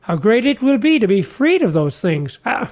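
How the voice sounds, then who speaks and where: An actor playing a humble, folksy fisherman apostle in a comic radio sketch, earnest and chatty, halting over his words. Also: sits high, sing-song. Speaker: guest character.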